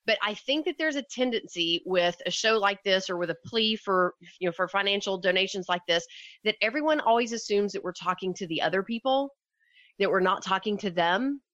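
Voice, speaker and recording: Loud, bright-voiced woman co-host. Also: medium pitch, animated, a little fast, dry recording, lo-fi sound. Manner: enthusiastic, talks at length. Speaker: podcast co-host. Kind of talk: casual chat.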